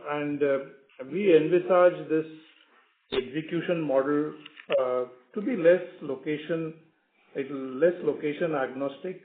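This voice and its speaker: A man answering questions as a company executive on an earnings call, halting, measured and explanatory. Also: mid-range voice. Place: conference call. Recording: echoey, phone-like conference line.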